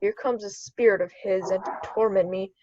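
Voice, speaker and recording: A woman's voice: mid-range voice, fairly even intonation, normal speed, close to an everyday voice. Woman doing bitter cursing island monster slave, scared of spirits, shakespeare radio play, kinda dull sound with noise.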